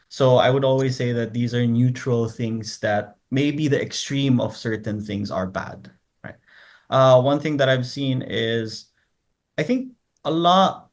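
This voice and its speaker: A man from Korea, a native Korean speaker, talking as a guest researcher in a conversational interview. He lays out his ideas point by point and keeps checking in with the listener. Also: medium pitch. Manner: explains in numbered points, tags statements with quick checks.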